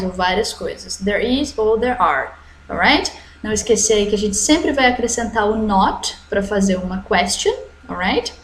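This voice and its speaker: A woman teacher with a Brazilian accent giving an online English lesson to children, switching between explanation and slowly drawn-out model sentences. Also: on the high side. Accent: Brazilian Portuguese. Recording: echoey room.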